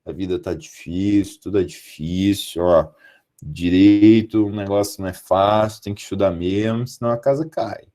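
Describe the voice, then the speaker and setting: A man's voice: low voice, steady tone, normal speed, mellow. A Brazilian man, a law professor, giving a live online lecture to his students, emphatic and full of rhetorical questions. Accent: Brazilian Portuguese.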